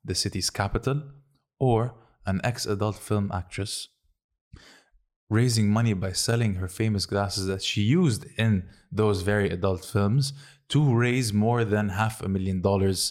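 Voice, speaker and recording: A man's voice: fairly low pitch, steady tone, normal speed. A man with a Lebanese accent hosting a casual podcast conversation, switching between Arabic and English and swearing freely. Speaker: podcast host.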